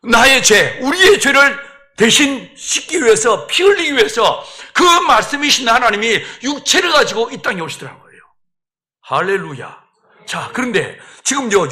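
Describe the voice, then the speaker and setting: A male pastor from the Gyeongsang region with a Gyeongsang accent, preaching an animated sermon that acts out the dialogue of the story. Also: very high voice. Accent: Gyeongsang Korean. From Gyeongsang region, Korea.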